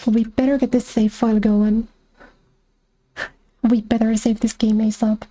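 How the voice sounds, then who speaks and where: A woman's voice: on the high side, level tone, measured pace, dark tone. A young woman streamer chatting casually as she plays, thinking aloud about missions and thanking subscribers. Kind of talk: casual gameplay commentary.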